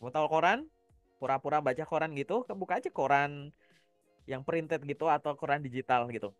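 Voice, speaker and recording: A man's voice: fairly high pitch, animated, brisk, dry recording, faint music behind. A man from Java giving casual coaching advice, explaining step by step and checking in with rhetorical questions. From Java, Indonesia. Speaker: career coach.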